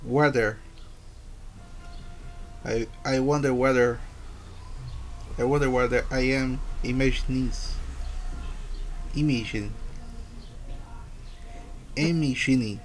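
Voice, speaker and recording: A man with a Brazilian accent, a native Portuguese speaker, haltingly reading aloud as an English learner and repeating words and phrases. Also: mid-range voice, fairly even intonation, a little hiss or hum, rough recording. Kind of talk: halting read-aloud pronunciation practice.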